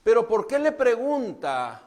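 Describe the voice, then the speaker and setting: A pastor with a Mexican Spanish accent delivers a sermon, talking right to his congregation. His voice sits high for a man. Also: sing-song, a little slow, a little mellow. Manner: preaching, addresses the congregation directly.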